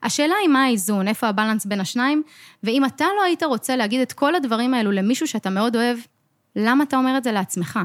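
A woman's voice: fairly high pitch, animated, no echo. A young adult woman co-hosting a podcast as a coach, explaining earnestly in casual chat and acting out the voices in her head.

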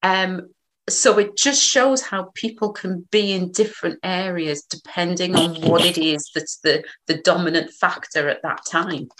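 A woman's voice: fairly low pitch, fairly even intonation, measured pace, a bit bright, rough recording. A woman with a slight Geordie accent hosting an online discussion, chatty and a little hesitant. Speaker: host. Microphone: video call.

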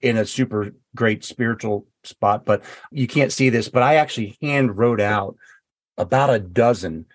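A man's voice: fairly low pitch, dry recording, clean studio sound. A man, an author, telling personal stories in an interview, stumbling over and repeating words as he goes. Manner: halting, repeats words, animated when quoting himself. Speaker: author guest. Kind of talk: storytelling interview.

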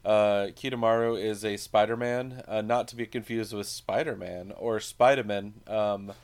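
A man co-hosting a podcast, recapping casually in a halting, hesitant way with dry jokes slipped in. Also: fairly low pitch, steady tone, clean tone. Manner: hesitant, halting, dryly joking. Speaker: podcast co-host.

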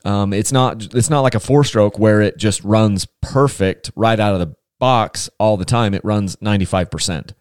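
A man's voice: on the low side, normal speed, few pauses, a little mellow, clean tone, dry recording, clean studio sound. Chatty, rambling podcast host man. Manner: chatty, rambling, enthusiastic with restarts. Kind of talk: casual solo podcast.

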